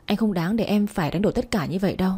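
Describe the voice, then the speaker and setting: A woman's voice: mid-range voice, expressive, very fast, a little mellow, slightly rough. A woman voicing a stern young man who keeps scolding and urging his girlfriend, in a storybook reading. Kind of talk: storybook narration.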